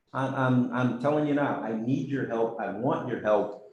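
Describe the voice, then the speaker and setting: Audible room echo carries a man's medium-pitched voice at a fairly slow pace. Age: 60s. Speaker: Rotary district governor-elect. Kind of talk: club speech. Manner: animated.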